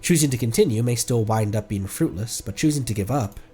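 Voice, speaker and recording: A man voicing an earnest, pedantic academic who lectures in a halting way. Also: medium pitch, mellow, faint music behind, voice pushed down, lightly acted. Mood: reflective. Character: earnest, pedantic young academic of marine bones.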